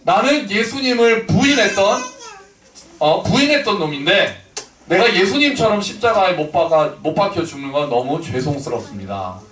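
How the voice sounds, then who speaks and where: A pastor acting out a remorseful condemned apostle, speaking in a choked, pleading voice during a sermon. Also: male voice, sits high, animated, moderate pace, fairly bright tone. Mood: tearful remorse. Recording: echoey church hall from far off.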